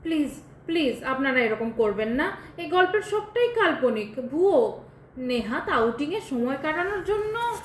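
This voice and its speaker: A woman playing a dignified, distressed woman who refuses a suitor in an audio drama, speaking with halting emotion and formal politeness. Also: high voice, sing-song. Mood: pleading. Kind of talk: Bengali audio drama acting. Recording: roomy echo, faint background noise.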